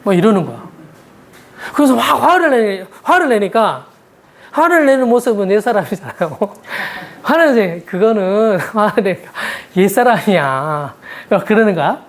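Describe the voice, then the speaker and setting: A woman delivering a sermon in a relaxed, conversational tone. Her pitch rises and falls widely as she tells a story. She keeps asking her listeners rhetorical questions. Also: normal speed. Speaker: preacher.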